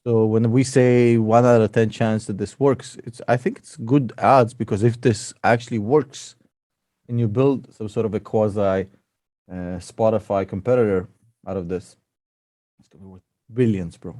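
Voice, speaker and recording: A man's voice: on the low side, steady tone, normal speed, dark tone, no room sound, studio quality. A man chatting casually as an investor, joking, teasing and swearing freely. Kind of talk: casual chat.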